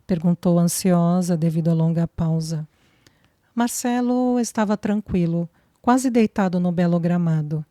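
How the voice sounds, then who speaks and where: A woman narrating a romance audiobook in a calm, measured storytelling manner. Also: on the low side, dry recording, studio quality.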